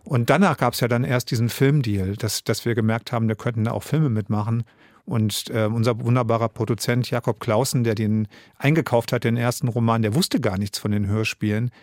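A man's voice: medium pitch, fairly even intonation, fairly quick, no echo. 50s guy talking thoughtfully in an interview, lots of restarts, dry close mic. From Germany. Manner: reflective, searching for words with many restarts. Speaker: author and radio drama director, guest.

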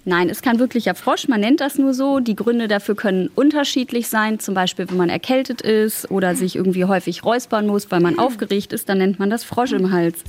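A woman's voice: mid-range voice, fairly quick, hardly any pauses, darkish tone, no room sound. A woman, a biology teacher, answering interview questions in a plain explaining way.

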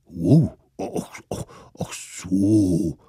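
A man voicing a big, good-natured mammoth who talks slowly and sounds bewildered. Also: low voice, mellow, husky, dry recording, clean studio sound, exaggerated voice. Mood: puzzled, slow.

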